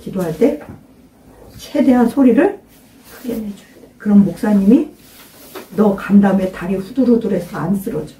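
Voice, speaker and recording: A woman's voice: medium pitch, expressive, moderate pace, long pauses, slight background noise. Emphatic older woman pastor, roomy echo. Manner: emphatic, questioning listeners, urging loud prayer. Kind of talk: informal sermon to a small congregation. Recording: roomy echo, mic at a distance.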